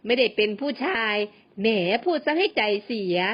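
A woman's voice: a little high, animated, dull audio. Woman playing a fretful rich older mother-in-law. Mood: defensive. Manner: slow, fussing.

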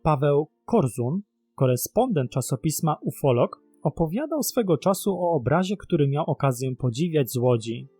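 A man's voice: a little high, very animated, moderate pace, mellow, breathy edge, no room sound, soft background music. A man narrating a scripted mystery documentary in a dramatic storytelling manner. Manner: dramatic, posing rhetorical questions. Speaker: narrator and host of a mystery series.

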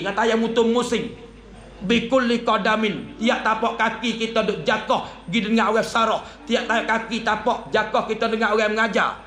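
A man's voice: high-pitched, a bit bright. A man preaching a sermon as a religious teacher, with a Kelantan-Patani Malay accent, telling it as a story and dropping his voice for drama. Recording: echoey room.

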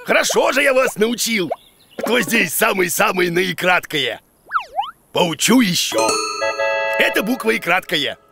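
A man voicing an excitable, muddled bearded creature who teaches in a children's cartoon, theatrical and grumbling. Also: high voice, a little slow, vocal fry, long pauses, heavily acted. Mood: pompous, muddled. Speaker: teacher, main character. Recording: music behind the voice.

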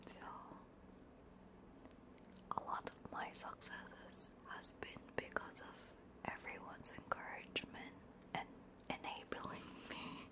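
Slow, hushed woman whispering ASMR. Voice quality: breathy whisper. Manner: slow, halting, casual. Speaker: VTuber streamer. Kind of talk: ASMR livestream chat. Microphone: close binaural ASMR microphone.

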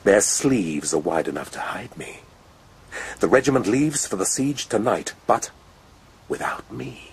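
An actor playing a pompous, amorous colonel in a radio drama, wooing ardently with breathy murmurs. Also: male voice, fairly low pitch, lively intonation, a little slow, full character voice. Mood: ardent, urgent. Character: smug, amorous colonel and nobleman, ardent would-be seducer. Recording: radio play with clear background ambience.

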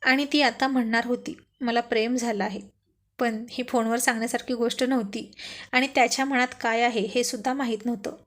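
A woman narrating a serialized love story in a steady, plain storytelling manner. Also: fairly high pitch, brisk.

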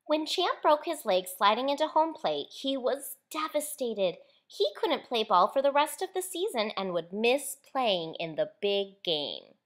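Lady reading a kids picture book, super expressive, pitch goes up and down a lot. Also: a little slow, few pauses. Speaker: author reading own book aloud. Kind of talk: expressive children's picture book read-aloud.

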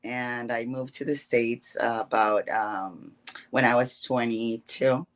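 A woman from Guatemala with a Spanish accent, answering interview questions over a video call in slow, halting speech full of fillers. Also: rumbling low, fairly even intonation. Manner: halting, hesitant, many fillers. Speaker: guest.

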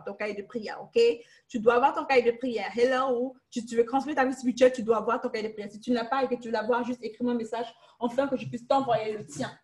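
A young woman leading a Bible study over a webcam from her living room, emphatic and repetitive, slipping English words into her teaching. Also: a little high. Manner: emphatic, repeats phrases, mixes in English words. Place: living room, seated in armchair. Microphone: webcam on a video call.

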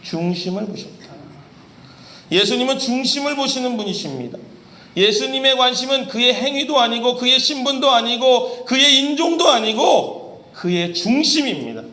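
High-voiced male preacher in an echoey room. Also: expressive, normal speed, sharp tone. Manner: asks the audience questions and answers them. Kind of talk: sermon. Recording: echoey room with faint noise.

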